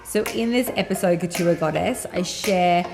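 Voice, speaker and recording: A woman hosting a motivational business podcast, sounding nasal and blocked up from a cold, gushing and affirming as she slows into guided reflection. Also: lowish voice, vocal fry, over music. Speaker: podcast host and business coach.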